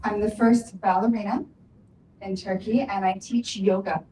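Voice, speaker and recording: A woman voicing deaf panelists' introductions as a sign language interpreter, speaking in measured short phrases. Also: medium pitch, steady tone, warm tone. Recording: roomy, distant, faint ambient noise.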